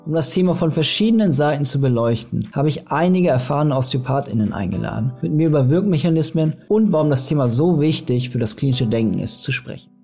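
A young adult man hosting a podcast, reading the intro and asking interview questions in a calm, measured way. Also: fairly high pitch, soft background music. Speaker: podcast host and osteopath.

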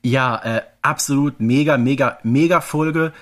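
Male podcast co-host, medium pitch, emphatic yet conversational. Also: unhurried. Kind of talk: casual conversational podcast discussion.

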